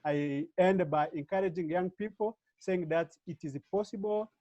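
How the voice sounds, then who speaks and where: A man from East Africa giving an earnest online conference presentation, with halting restarts. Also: high-pitched, dark tone, dry recording, dull audio. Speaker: conference speaker.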